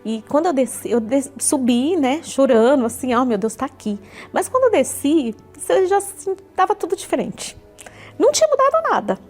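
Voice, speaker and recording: Brazilian lady in her 40s telling her faith testimony, kinda high voice, earnest, faint music behind. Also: sing-song, moderate pace, a little mellow. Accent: Brazilian Portuguese. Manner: earnest, repeats herself often. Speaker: church member giving a testimony. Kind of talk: personal testimony.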